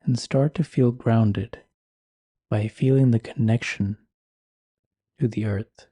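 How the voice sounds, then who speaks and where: Calm guy doing a guided meditation, soft mellow voice, really dry close sound. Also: mid-range voice, no echo. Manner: calm, soothing, unhurried with long pauses. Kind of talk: guided meditation, slow scripted instruction.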